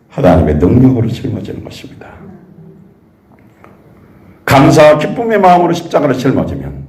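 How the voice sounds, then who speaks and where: A male pastor from South Korea delivers a sermon with a lively, swooping pitch. He asks the congregation rhetorical questions as he goes. His voice rings through a roomy church sanctuary.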